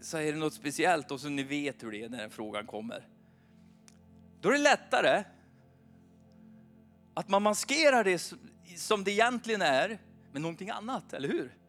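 A man in his forties preaching an informal, animated sermon at a church meeting, often asking his listeners "va?". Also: fairly high pitch, long pauses, faint music behind. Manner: chatty, animated, keeps asking the crowd "va?".

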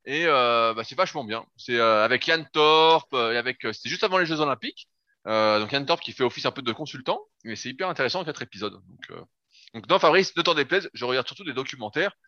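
A man's voice: medium pitch, expressive, quick pace, sharp tone, no echo. A man co-hosting a sports podcast, giving blunt, grumbling opinions in casual chat. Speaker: podcast co-host. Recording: dry, dull lo-fi sound.

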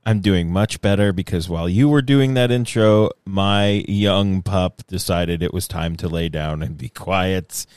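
A man co-hosting a casual podcast who talks in a relaxed way, laughs easily and often restarts his sentences. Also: low voice, measured pace, few pauses, clean tone, no room sound, clean studio sound. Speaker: podcast co-host.

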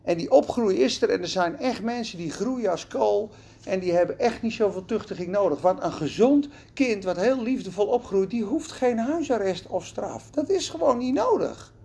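A preacher delivering a sermon in an animated, emphatic way, with folksy turns of phrase. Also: mid-range voice, normal speed, creaky, breathy edge.

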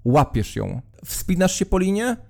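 A man's voice: high voice, very animated, unhurried, creaky, warm tone. A man running a tabletop role-playing game, describing the scene to the players in second person with small hesitations. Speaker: game master.

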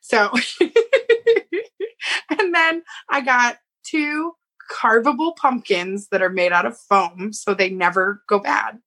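A woman's voice: medium pitch, slow pace, pushed and bright. A woman co-hosting a podcast, telling rambling stories in casual chat. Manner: rambling, filler-heavy storytelling. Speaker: podcast co-host.

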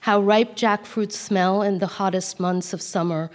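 A woman's voice: medium pitch, fairly even intonation, a little slow, darkish tone. Woman reading memoir in echoey hall. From Calcutta, India. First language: Bengali. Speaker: author reading from her memoir. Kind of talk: reading aloud from her own book. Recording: long hall reverb.

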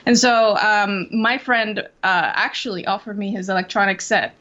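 A young woman from Costa Rica answers interview questions over a video call, rambling casually through lots of fillers and restarts. The sound is a little dull and lo-fi, as call audio often is. Her pitch sits in the middle for a woman. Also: moderate pace, sharp tone. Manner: chatty, many fillers and restarts. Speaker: interview guest, Twitch drummer.

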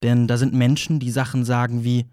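A man's voice: mid-range voice, flat delivery, fairly quick, mellow, no echo, natural voice. Guy acting wry self-deprecating guy rambling through an audio play monologue, dry close sound. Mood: wry, musing. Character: wry, wounded man who was once an hourglass, confessing in therapy. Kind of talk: audio play monologue, ironic first-person storytelling.

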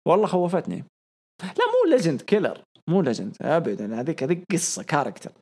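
A young man talks through a podcast episode in a loose, chatty way. He gets worked up and circles back on the same words again and again for emphasis. His voice sits a little on the higher side. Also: fast talker, slightly rough. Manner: excitable, repeats phrases for emphasis. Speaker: podcast co-host. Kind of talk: casual podcast commentary.

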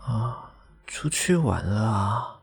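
A man's voice: lowish voice, lively intonation, slow pace, vocal fry, husky, full character voice. An actor with a Taiwanese accent playing a sweet, scatterbrained, easily flustered young gay man in a radio drama. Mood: grumbling. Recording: music behind the voice.

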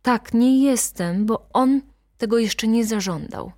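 A woman's voice: on the high side, slow, darkish tone, no echo. Woman voicing a young wife, hard and defiant, dry close voice, audiobook scene.

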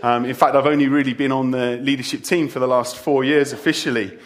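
A man's voice: mid-range voice, fairly even intonation, brisk. A middle-aged man preaching a farewell sermon as a church leader, with joking asides to the congregation. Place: church service.

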